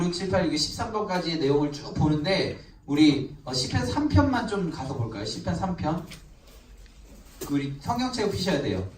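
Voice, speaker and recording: A pastor with a high, lively voice leads a Bible study class, asking the room questions and then answering them himself. He sounds a little distant from the mic, in a reverberant hall. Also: a little hiss or hum. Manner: acts out prayers in an emphatic voice.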